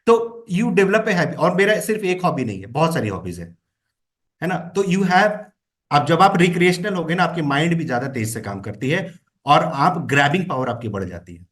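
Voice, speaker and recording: A man working as a trainer gives a motivational talk in Hindi sprinkled with English phrases, coaching his listeners and often checking in with "है ना?". His voice is a little high, brisk and a bit bright, with big swings in pitch.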